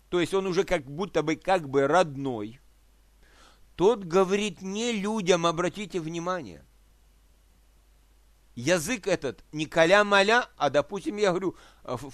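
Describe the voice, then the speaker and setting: A man delivers a teaching sermon in a fairly high voice. He works through scripture with examples and rhetorical questions, often asking his listeners whether they follow. The recording is dry and close. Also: no echo. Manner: asks listeners for agreement. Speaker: preacher.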